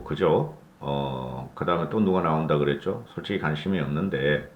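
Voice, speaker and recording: A man from North Gyeongsang, South Korea, gives blunt political commentary, and his pitch swings widely as he talks. He keeps asking his listeners to agree with him. His voice rings around an echoey room. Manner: blunt, opinionated, asks for agreement with rhetorical tags. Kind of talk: casual political commentary monologue.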